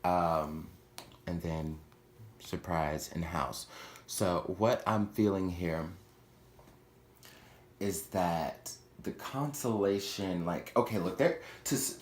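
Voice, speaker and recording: A man giving a chatty tarot reading, with playful asides and quick self-corrections. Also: sits low. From Houston, Texas. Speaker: tarot reader. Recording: echoey room with faint noise.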